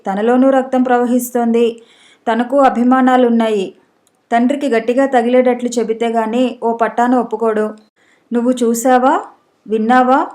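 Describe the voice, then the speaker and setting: A woman's voice: on the high side, darkish tone. A woman narrating a storybook and reading the characters' dialogue with some expression. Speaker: audiobook narrator.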